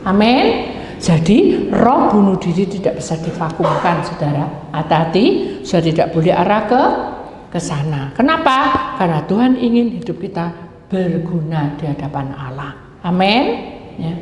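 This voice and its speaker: A woman pastor preaching a lively sermon full of stories and acted-out quotes. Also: on the low side, normal speed. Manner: animated, switches into acted quotes and dialect asides. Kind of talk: sermon with storytelling. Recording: echoey hall with faint noise.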